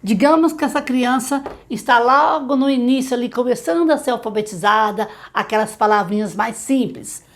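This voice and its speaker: Brazilian woman teacher advising parents. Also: on the high side. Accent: Brazilian Portuguese. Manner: warm direct advice to mothers, slow syllable-by-syllable demonstrations. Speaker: literacy teacher. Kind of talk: tutorial talking to parents.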